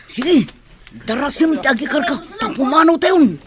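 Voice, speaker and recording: A man's voice: very high voice, animated, moderate pace. A man with an Ilocano Filipino accent acting an eager, cocky bank robber henchman in a radio drama, faintly noisy recording. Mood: hurried.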